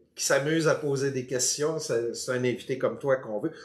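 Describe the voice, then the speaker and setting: A man talks while noticeable background noise continues underneath. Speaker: podcast host. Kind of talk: interview host talk.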